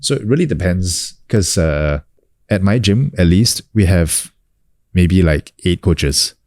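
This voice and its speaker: A man in his thirties from New Zealand, a guest in a relaxed interview, talking loosely with many fillers and restarts. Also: low-pitched, slow, no echo, studio quality. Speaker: guest, actor and coach. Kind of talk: casual sit-down interview.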